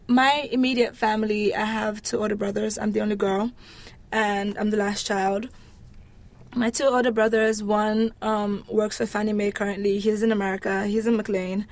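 A young woman from Nigeria with a Nigerian accent, a university student answering interview questions in an animated, emphatic, casual way. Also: mid-range voice. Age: young adult.

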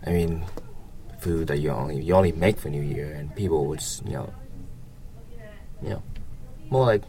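A man from Vietnam, answering interview questions casually and haltingly, often hedging with "you know" and "like". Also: a bass voice, mellow.

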